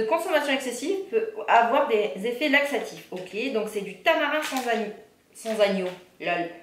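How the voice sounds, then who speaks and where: A woman vlogger chatting casually through a food box unboxing, reading ingredient lists aloud with fillers and self-corrections. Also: a little high. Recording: echoey room, faint background noise.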